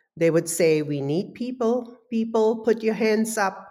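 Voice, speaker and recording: A woman with a Singaporean accent speaks at a fairly slow pace in a dark, mellow tone with lively intonation. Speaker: author and English teacher. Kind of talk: interview.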